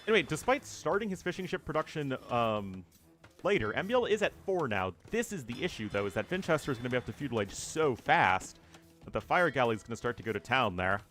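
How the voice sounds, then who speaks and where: A man commentates a live strategy game match in a relaxed, chatty way, breaking off to answer chat. His voice sits at an ordinary middle pitch. Faint music plays quietly underneath. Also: fast talker. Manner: casual, chatty, thinks aloud with fillers. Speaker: streamer and caster.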